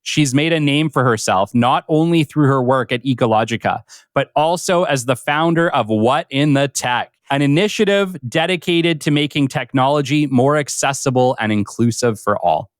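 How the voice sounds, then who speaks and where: A man's voice: mid-range voice, moderate pace, hardly any pauses, no room sound. Enthusiastic male podcast host, dry sound. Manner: enthusiastic, effusive praise. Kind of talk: podcast interview.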